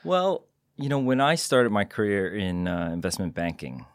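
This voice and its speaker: Man, very low voice, middle-aged, measured hesitant answers, dry studio. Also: big pitch swings, no echo. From Singapore. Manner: measured, hesitant with many "uh" and "um" fillers. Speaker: guest, tech executive. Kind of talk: interview answers. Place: podcast studio.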